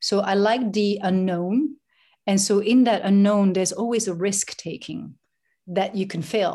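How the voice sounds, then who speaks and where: This somewhat breathy voice has a dark, mellow tone and moves at a fairly slow pace. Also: woman, very clean recording, silent background. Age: 40s. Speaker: choreographer. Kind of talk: casual chat.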